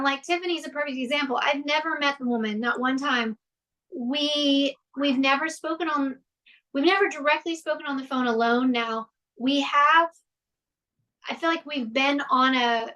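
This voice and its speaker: Woman, Houston accent, high voice, chatty interview guest who rambles. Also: normal speed, sharp tone, poor audio. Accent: Houston, Texas. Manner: chatty, rambling with fillers and restarts. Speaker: voice actress, podcast guest. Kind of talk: casual interview chat.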